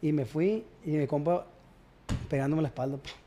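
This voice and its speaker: A man's voice: fairly high pitch, normal speed, dark tone, a little hiss or hum. A man, a guest musician, casually telling stories in a slangy way and acting out both sides of the conversations. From Culiacán, Sinaloa, Mexico. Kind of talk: casual storytelling chat.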